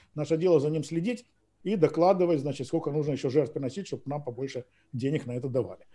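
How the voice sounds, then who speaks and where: Talking very fast, a man with a fairly high pitch and a dark, mellow, somewhat breathy tone uses ordinary pitch variation. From former Soviet Union. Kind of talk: interview answers, lecture-like explanation.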